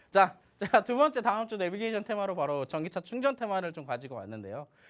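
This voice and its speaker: A man's high-pitched voice at a very fast pace, with very wide pitch swings and big swings in loudness, on a very clean recording with a silent background. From South Korea, Chungcheongnam-do. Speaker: stock market expert. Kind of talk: stock tip pitch on TV show.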